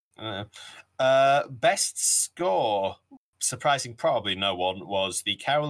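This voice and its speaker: A very slow, lively voice with an English accent, dry and close with no echo, on a very clean recording with a silent background. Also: man. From England. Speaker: podcast co-host. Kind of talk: casual chat.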